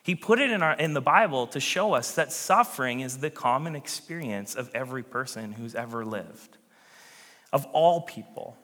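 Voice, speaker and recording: Male pastor, preaching, lively pitch, bright tone, earnest, trails off to a hush, reverberant church hall. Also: moderate pace. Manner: earnest, animated, drops to a hush at phrase ends. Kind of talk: sermon. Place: church sanctuary.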